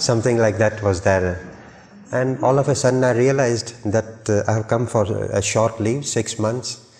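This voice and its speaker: An Indian accent at a moderate pace, with fairly even intonation and very even loudness. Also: man, medium pitch for a man. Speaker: merchant seaman. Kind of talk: storytelling talk to a live audience.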